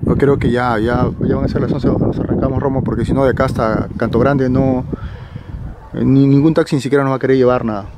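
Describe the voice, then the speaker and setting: A man's voice: mid-range voice, fairly even intonation, fairly quick. A middle-aged Peruvian man casually narrating a night exploration vlog outdoors, hesitant and often repeating his phrases. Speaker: vlogger. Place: outdoors on a hillside cemetery at night. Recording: noisy outdoor night camera recording.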